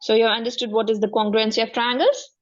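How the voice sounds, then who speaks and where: A woman's voice: on the high side, little pitch movement, quick pace, lo-fi sound. A woman with a South Asian accent teaching maths one-to-one, encouraging and often checking that the student follows. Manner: encouraging, frequently checking understanding. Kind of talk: interactive one-to-one tutoring.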